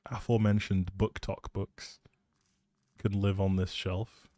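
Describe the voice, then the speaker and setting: A man chatting casually on a live game stream, informally thinking out loud as he goes. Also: low-pitched, level tone, measured pace, no room sound, clean studio sound.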